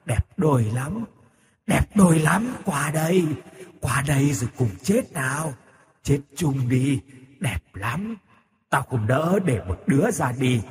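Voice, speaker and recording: A man's voice: mid-range voice, sing-song, measured pace, big-room sound. A man voicing a vengeful young female ghost who speaks through a doll, eerie and taunting, in a horror audiobook. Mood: menacing. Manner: eerie, taunting then mournful.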